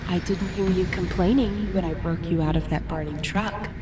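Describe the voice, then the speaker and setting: A woman's voice: on the low side, moderate pace, noisy background, lightly acted. An actress playing a woman's uncanny doppelganger in an audio drama, cryptic, cool and mocking. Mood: cool, needling. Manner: echoes words, taunting, cool.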